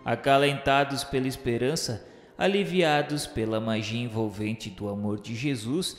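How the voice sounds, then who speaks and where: A man reading solemn, devout literary narration for a religious radio drama, in a measured, declamatory way. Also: mid-range voice. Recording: echoey hall-like reverb with music. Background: music.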